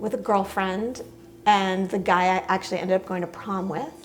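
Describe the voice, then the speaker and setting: Over music in the background, a woman speaks at a moderate pace in a medium pitch. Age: 50s. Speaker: interviewee. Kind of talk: interview.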